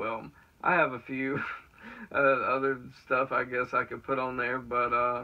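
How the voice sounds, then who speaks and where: Long, frequent pauses mark this man's speech in a Southern US accent. His intonation is monotone and flat. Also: medium pitch for a man, fairly slow pace. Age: 20s. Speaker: YouTuber and aspiring voice actor. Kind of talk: casual interview chat. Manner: halting.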